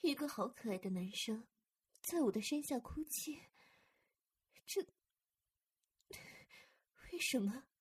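Breathy, doting older sister, voiced by a woman. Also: fairly high pitch, animated, takes it slowly, pauses often, full character voice. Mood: soothing, tender. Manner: coaxing and soothing, often whispered. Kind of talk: intimate audio roleplay.

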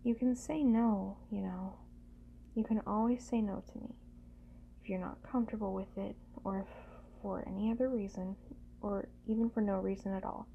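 A woman playing a doting, teasing lover in an intimate ASMR roleplay, speaking gently and soothingly in a breathy voice that often slips into whispers. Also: medium pitch, phone-quality sound, slight background noise, close to an everyday voice.

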